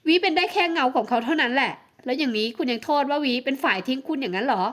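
Woman doing a jealous heartbroken girlfriend, tearful and kinda high voiced, romance audiobook. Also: animated, rapid-fire, a bit bright. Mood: bitter. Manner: emotional, tearful pleading. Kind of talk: audiobook romance novel acting.

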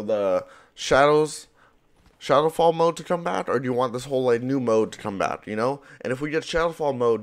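A young man talks as a gaming YouTuber. His commentary is casual and hyped, with a mid-pitched voice that rambles along in loose slang.

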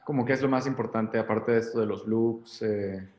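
A man's voice: lowish voice, steady tone, moderate pace, darkish tone, reverberant. A man, a student in a casual conversation, asking curious questions and giving short agreeing replies.

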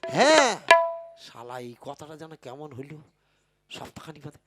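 A man voicing a sly, clever village husband in a comic folk puppet show, muttering quick asides to himself. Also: high-pitched, very animated, bright, forceful tone, exaggerated voice. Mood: scheming. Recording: tabla music behind. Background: tabla and folk music.

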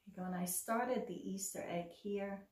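A woman's voice: medium pitch, normal speed, darkish tone. Chatty middle-aged woman in echoey room. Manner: chatty, self-deprecating, enthusiastic. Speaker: cross stitch vlogger. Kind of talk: casual show-and-tell chat. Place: home craft room.

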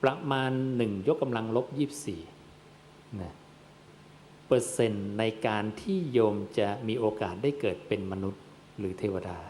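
Thai monk preaching a dharma sermon. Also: male voice, on the low side, moderate pace, darkish tone, a little hiss or hum. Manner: addresses listeners as "yom", asks and answers his own questions. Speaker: Buddhist monk.

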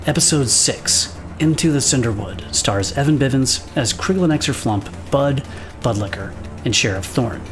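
A man's voice: medium pitch, expressive, unhurried. A man reading scripted credits as an announcer. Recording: prominent music underneath.

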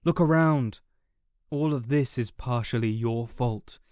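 Man playing a smug, condescending supervillain, crisp voice. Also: mid-range voice, a little mellow, no room sound, clean studio sound, lightly acted. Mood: scornful. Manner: deliberate, condescending, theatrical monologuing. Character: smug, contemptuous male supervillain gloating over a beaten rival. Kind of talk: audio roleplay villain acting.

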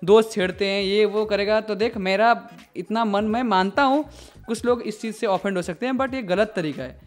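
A man's voice: high-pitched, moderate pace. A man in his twenties with an Indian accent, chatting casually as a gaming YouTuber into a close studio microphone. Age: 20s. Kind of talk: casual prank-call chat. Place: small gaming room indoors. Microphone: boom-arm studio microphone up close.

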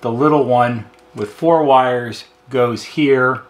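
A man's voice: medium pitch, slow. A middle-aged American man giving an unscripted hands-on demonstration as a repair technician, explaining methodically in plain words. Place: indoor repair workshop at a bench.

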